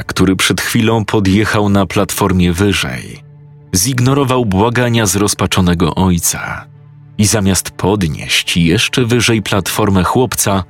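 A man narrating a horror story in a slow, grave, scripted way. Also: on the low side. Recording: faint music behind.

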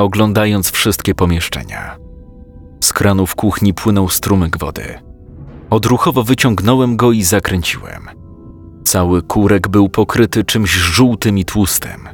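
A man calmly narrating a first-person story, voicing the dialogue himself. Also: low voice. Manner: calm, measured storytelling with quoted dialogue.

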